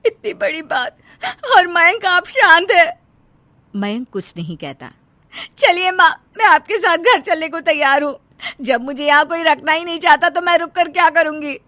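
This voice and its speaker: An earnest young wife from an animated family story, voiced by a woman, caught in the middle and pleading. Her voice is high and bright. The recording is close and dry. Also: moderate pace, no echo. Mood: tearful. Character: young wife torn between husband and mother.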